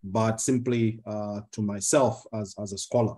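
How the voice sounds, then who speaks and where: A man from Zambia in his fifties, a law professor giving a formal, measured presentation on a video call, with frequent fillers. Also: fairly low pitch, fairly even intonation, mellow. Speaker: guest speaker, law professor. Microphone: computer mic on a video call.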